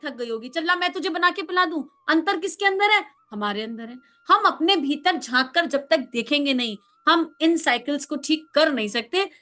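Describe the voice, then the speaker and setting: A woman's voice: sits high, bright, forceful tone. A woman counsellor giving a spiritual talk, emphatic and full of rhetorical questions, now and then acting out family members.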